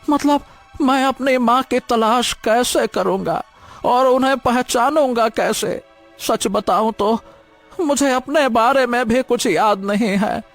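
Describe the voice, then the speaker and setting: An actor voicing a weary, troubled old beggar in a cartoon story, speaking in a hesitant, pleading way. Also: male voice, very high-pitched, takes it slowly, soft background music, full character voice. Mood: anguished.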